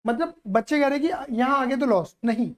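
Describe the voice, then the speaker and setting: A man's voice: very high-pitched, normal speed. A man teaching accountancy to a live class, playful and teasing as he keeps quizzing the students.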